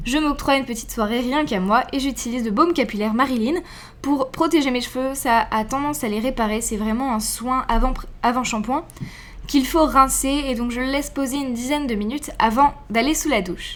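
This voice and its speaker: Fairly quick in pace, a woman speaks with a high pitch that varies in an ordinary way. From Lyon, France. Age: 20s. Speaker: beauty vlogger. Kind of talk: casual talk to camera. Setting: voice-over recorded separately. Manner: relaxed, conversational.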